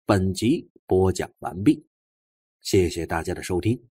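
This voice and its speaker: A man's voice: deep voice, expressive, measured pace, dark tone, slightly rough, dry recording. A man reading an audiobook as a dramatic, scripted narration.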